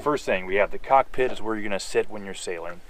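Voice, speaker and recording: A man's voice: lowish voice, fast, over loud music. Patient man teaching sailing basics. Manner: patient, explanatory, asks and answers own questions. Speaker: sailing instructor. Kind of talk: hands-on instructional walkthrough. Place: outdoors on a small sailboat at a dock.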